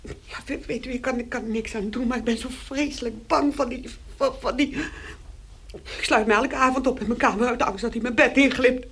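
A woman acts out a nervous housemaid in a radio play. Her voice is fairly high, and she stammers submissively in short, breathless bursts. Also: steady tone, brisk, lightly acted. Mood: terrified, pleading. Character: frightened, servile housemaid begging and thanking her employers. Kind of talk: radio drama acting.

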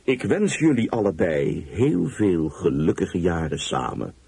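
A male reader voicing an older wealthy gentleman who is boisterous and exclaims loudly when pleased. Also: low voice, big pitch swings, a little slow, vocal fry, breathy edge, no echo, heavily acted. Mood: measured. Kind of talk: audiobook reading.

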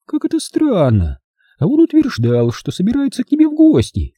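A man's voice: very high-pitched, huge pitch swings, normal speed, mellow, dry recording, studio quality, pitched above the performer's own voice, full character voice. A man voicing a scheming middle-aged aunt with a syrupy, sticky-sweet voice. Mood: sickly sweet. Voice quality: syrupy sweet, turning cold.

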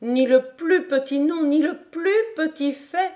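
A woman's voice: sits high, measured pace, mellow, voice pushed up. A woman voicing a gracious noble lady speaking with admiration, in an audiobook reading. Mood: admiring.

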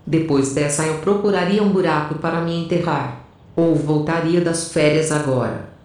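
Uma mulher interpretando uma imediata de nave debochada e sarcástica, em audiodrama. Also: female voice, low-pitched, moderate pace, darkish tone, natural voice. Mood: sarcastic. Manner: sarcastic, cheeky. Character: cheeky, foul-mouthed female first mate, sarcastic. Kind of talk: audio drama dialogue. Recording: very echoey room.

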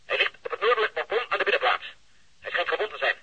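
Police spotter on a muffled walkie talkie, highish sharp rough voice, urgent, radio drama. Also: male voice, sing-song, fast, exaggerated voice. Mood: alert. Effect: walkie-talkie radio filter. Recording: dull, crackly walkie-talkie sound.

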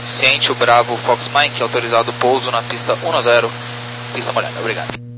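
A man's voice: mid-range voice, flat delivery, a little fast, music in the background, low-quality recording. A Brazilian man, a pilot, giving brief procedural reports and readbacks over aviation radio.

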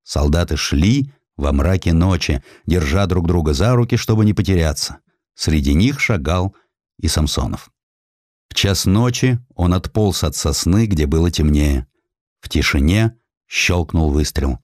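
A man reading a historical narrative as an audiobook narrator, in a measured, deliberate and dramatic way with weighty pauses. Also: deep voice, animated, darkish tone, dry recording, clean studio sound.

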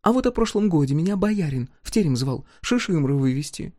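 A man voicing a practical, sharp-tongued peasant woman in a storybook reading, speaking in a brisk, scolding whisper. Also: fairly high pitch, expressive, no room sound, clean studio sound, voice pushed up. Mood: scheming.

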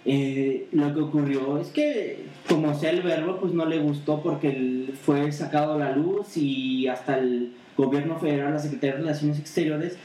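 A man's voice: fairly high pitch, steady tone, normal speed, hardly any pauses, mellow, echoey room, distant mic, slight background noise, poor audio. A man with a Mexican Spanish accent chatting about politics on a podcast, rambling, full of hesitations and restarts. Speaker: podcast co-host. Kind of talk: casual political chat.

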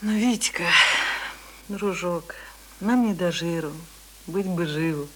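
A woman's voice: lowish voice, takes it slowly, darkish tone, husky. An actress in a Russian radio play playing a weary, middle-aged single mother with a folksy, sighing way of talking. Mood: resigned, tender. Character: weary single mother of a schoolboy, no longer young. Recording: hissy old radio drama recording.

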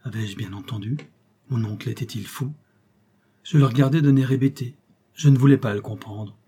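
A male audiobook narrator reading a classic adventure novel at a steady, expressive pace. His voice is dark and mellow, with a slightly husky edge, set in a mid range. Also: medium pitch, moderate pace. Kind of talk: scripted narration.

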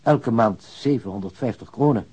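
Mellow, husky, precise bank official, played by a man. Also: mid-range voice, normal speed, close to an everyday voice. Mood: precise, businesslike. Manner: formal, explanatory. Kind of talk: radio drama dialogue.

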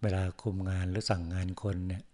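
A male Buddhist monk giving a sermon, speaking slowly and calmly with frequent pauses. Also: sits low. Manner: slow, measured speech with many pauses and the particle "na". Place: forest monastery.

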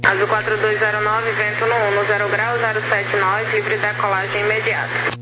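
A man's voice: high-pitched, little pitch movement, moderate pace. A Brazilian man working as an air traffic controller, giving formal clipped instructions over the radio and reciting numbers digit by digit. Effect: radio transmission.

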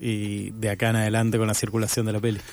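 A man's voice: fairly low pitch, monotone, fast talker, a little mellow. A man hosting a radio interview who thanks his guest at the close, mostly giving brief acknowledgments. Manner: brief backchannels, polite sign-off. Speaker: radio host. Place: radio studio.

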